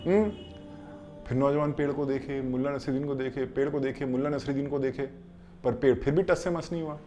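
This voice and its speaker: A man teaching through a story in an unhurried religious talk, often pausing to check in with his listeners. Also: mid-range voice, little pitch movement, dark tone, faint music behind.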